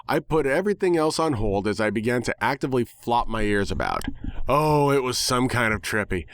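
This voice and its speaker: A man's voice: on the low side, a bit bright, no echo, clean studio sound. A man giving a dramatic first-person story reading in a wry, sardonic, conversational way. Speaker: story reader. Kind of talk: dramatic first-person fan fiction narration.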